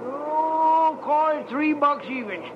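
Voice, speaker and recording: A noisy vintage radio recording has a folksy old American gas station owner. His voice is extremely high for a man, and he talks slowly, with chatty caution. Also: phone-quality sound. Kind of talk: 1940s radio acting.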